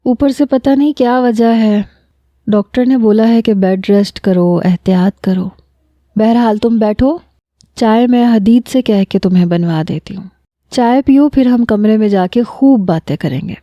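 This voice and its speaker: A woman voicing a chatty, cheerful young sister-in-law who coaxes and teases in a lively way. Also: on the high side, no echo, dull audio, natural voice.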